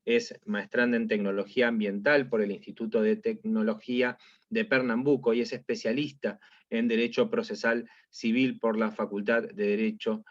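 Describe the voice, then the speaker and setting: A man's voice: fairly low pitch, flat delivery, moderate pace, no room sound. A man moderating an academic online panel, introducing speakers in a wordy way full of fillers and restarts. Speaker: event moderator. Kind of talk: formal introductions. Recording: dull, dry video-call audio.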